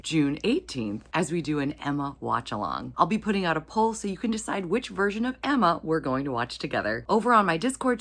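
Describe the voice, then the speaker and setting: A woman's voice: low-pitched, a bit bright. A woman hosting a book channel, chatting to camera in an enthusiastic, gushing and playful way. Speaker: host of a romance book channel. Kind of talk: excited casual book vlog to camera.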